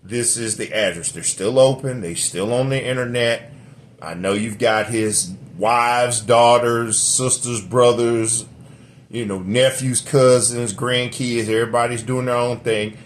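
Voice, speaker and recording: A man's voice: fairly even intonation, measured pace, slight background noise. A middle-aged man vlogging from home to a camera he set up, talkative and rambling with lots of fillers and restarts. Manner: drops into a deep put-on radio voice. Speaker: vlogger reviewing a product. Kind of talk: rambling casual vlog. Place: home room. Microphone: camera set up nearby.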